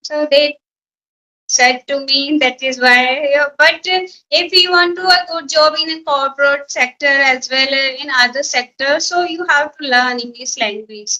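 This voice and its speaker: High bright Indian woman, hesitant English. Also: unhurried, low-quality recording. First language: Hindi. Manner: hesitant, searching for words. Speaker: school teacher learning English. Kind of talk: English practice conversation. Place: at home in a small village.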